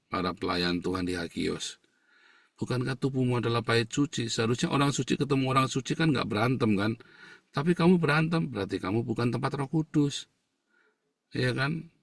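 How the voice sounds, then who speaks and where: Man, pastor, sermon, gravelly voice, dry room, a bit off-mic. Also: mid-range voice, no echo, recorded from a distance. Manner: emphatic preaching, swinging from loud scolding to soft hushed tones.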